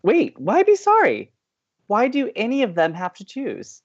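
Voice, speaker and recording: A woman's voice: on the high side, wildly swooping pitch, measured pace, darkish tone, dull audio, exaggerated voice. A woman playing an upbeat, teasing, hopelessly romantic college radio co-host in an audio drama, talking in playful, emphatic banter. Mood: breezy, encouraging. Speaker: actor in a romantic comedy podcast.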